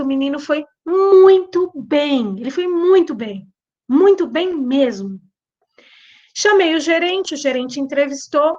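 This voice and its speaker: A middle-aged woman with a Brazilian Portuguese accent tells a story in a high, bright voice. She repeats phrases for emphasis and acts out the dialogue. The recording sounds dull and lo-fi. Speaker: lecturer and behavioral trainer. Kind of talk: storytelling talk.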